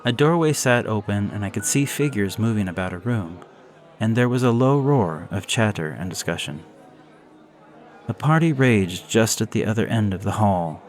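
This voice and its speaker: Man, low-pitched, solemn horror story reader, faint music bed. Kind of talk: scripted first-person narration.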